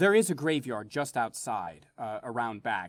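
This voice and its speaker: A put-on character voice at a moderate pace. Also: man, medium pitch for a man. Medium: actual play.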